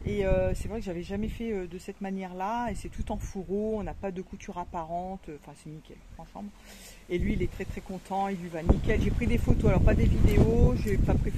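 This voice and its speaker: Over noticeable background noise, a woman speaks at a fairly quick pace with big swings in loudness. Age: 50s. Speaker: sewing vlogger. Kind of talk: casual vlog talk. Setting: outdoors. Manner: hesitant, many fillers.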